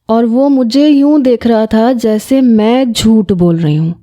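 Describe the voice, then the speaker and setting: A woman's voice: on the high side, warm tone. A woman narrating an emotional first-person audio story in an earnest way.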